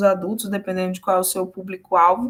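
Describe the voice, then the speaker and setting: Somewhat breathy, a woman speaks with a Fortaleza accent. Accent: Fortaleza accent, still present. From Brazil, Fortaleza (Ceará). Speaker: bilingual education teacher trainer. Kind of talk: interview conversation.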